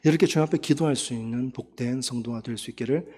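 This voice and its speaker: A man's voice: medium pitch, quick pace, husky. A male pastor giving an earnest sermon and leading his congregation in prayer. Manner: earnest preaching, rising to fervent shouted prayer. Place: church sanctuary. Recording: long church hall reverb.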